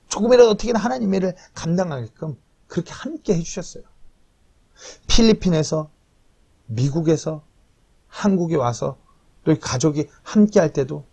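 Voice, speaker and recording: Male pastor, thirties, husky mellow voice, earnest heartfelt sermon. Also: a little high. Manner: earnest, confessional, pleading at times.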